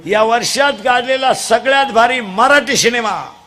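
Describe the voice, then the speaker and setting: High bright-voiced preacher teasing a crowd. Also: male voice, normal speed. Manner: teasing, quizzes children and crowd, calls for loud answers. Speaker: kirtan preacher. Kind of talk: comic devotional kirtan. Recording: live crowd with faint noise.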